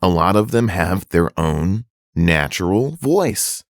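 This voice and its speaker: A man's voice: deep voice, animated, slow pace, no room sound, clean studio sound. A man coaching voice acting in a casual, earnest tutorial. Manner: casual, conversational, earnest advice.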